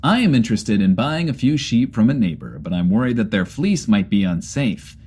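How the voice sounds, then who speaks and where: A man's voice: on the low side, big pitch swings, moderate pace, a little mellow, husky. Grandiose mock-formal radio host man. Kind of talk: comic radio host reading mail.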